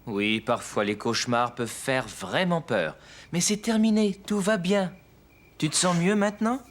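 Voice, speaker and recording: A man voicing a gentle, reassuring father in a French cartoon, soothing and patient. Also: a little high, a little slow, lightly acted. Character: gentle, reassuring young father of small boy. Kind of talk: cartoon voice acting, French dub. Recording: faint music behind the voice.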